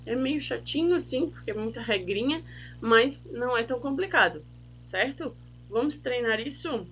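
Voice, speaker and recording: Woman, language teacher, online lesson, patient, drawn-out example words, muffled lo-fi audio, faint hum. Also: on the high side, lively intonation, a bit bright. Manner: patient, checks in often with tag questions; slows down to spell out and stress example words. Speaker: Spanish teacher. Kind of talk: online lesson explaining grammar.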